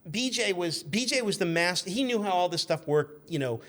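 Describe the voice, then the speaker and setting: Higher-voiced man telling wry anecdotes. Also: expressive, brisk, fairly bright tone. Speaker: show guest. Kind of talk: casual anecdotal radio chat.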